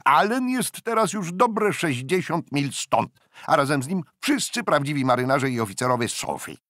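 A man voicing a gruff, short-tempered naval commander who scolds loudly, in an audiobook. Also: a little high, sing-song, normal speed, dry recording, studio quality, voice pushed up. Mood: scolding. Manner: loud, scolding, indignant. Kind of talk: audiobook character voice.

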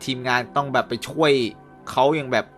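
A young man casually recapping and reviewing a cartoon episode, chatty with quick asides. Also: medium pitch, level tone, bright, forceful tone, faint music behind.

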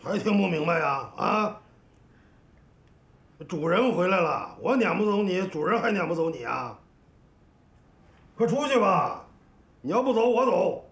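A man's voice: high-pitched, expressive, a little slow, pauses often, background noise. A man in his sixties playing a self-pitying old father in a TV drama, querulous and sarcastic. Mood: needling. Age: 60s. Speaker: actor in a television family drama. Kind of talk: naturalistic TV drama dialogue. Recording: prominent music behind the dialogue.

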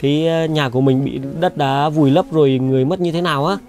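A man's voice: a little high, steady tone, fast, a little mellow, faint music behind. A young man vlogging on a village visit, chatty and caring, talking straight to his viewers. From Vietnam. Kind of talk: casual vlog chat.

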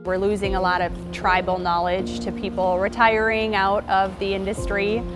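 A woman in her thirties answers interview questions in a steady, conversational way. Her voice stays flat, with little rise and fall. She is recorded on a factory floor with a lapel mic, music playing beneath. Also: mid-range voice, normal speed. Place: large factory floor indoors. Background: background music.

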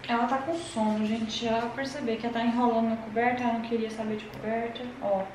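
A woman's voice: fairly high pitch, steady tone, fast, noisy background. Chatty woman murmuring in an echoey bedroom. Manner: chatty, often drops to a hushed murmur. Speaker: vlogger caring for her mother at night. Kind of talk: casual vlog chat to viewers. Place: bedroom at night.

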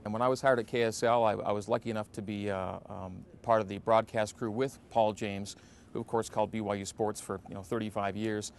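A man in his forties, a radio announcer, answering interview questions in a relaxed, reflective way with many fillers, in an empty indoor arena. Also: on the low side, brisk, clean tone. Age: 40s.

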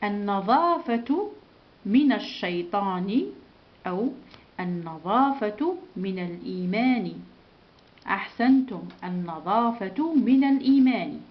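A woman teacher walks a class of small children through their review, saying each sentence and then saying it again. She praises them often and keeps a patient, steady pace. The recording is dull and lo-fi. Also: mid-range voice, unhurried, long pauses. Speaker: primary school teacher.

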